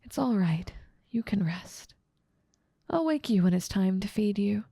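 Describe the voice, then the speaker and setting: A woman's voice: mid-range voice, animated, a little slow, gravelly, mellow, breathy edge, no room sound, studio quality, heavily acted. A woman voicing an evil, controlling witch in an ASMR roleplay drama, speaking in a silky, doting, gloating way. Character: evil, controlling, possessive adult female witch.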